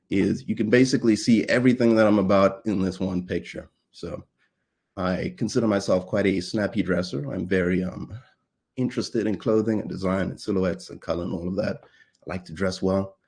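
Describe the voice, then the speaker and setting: A man's voice: deep voice, gravelly, a little mellow, breathy edge. A young man from South Africa giving a casual, playful conference talk, joking at his own expense with lots of fillers. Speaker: conference speaker.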